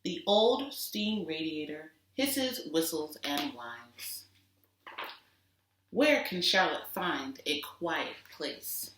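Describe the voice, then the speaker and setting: A woman teacher giving an expressive storybook read-aloud for children, deliberate and with dramatic emphasis. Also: sits low, a little hiss or hum. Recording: roomy echo, distant microphone.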